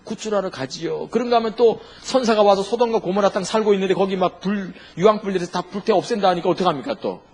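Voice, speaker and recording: A man's voice: high-pitched, fast, few pauses, darkish tone. A man preaching a sermon as a pastor, asking the congregation questions and answering them himself.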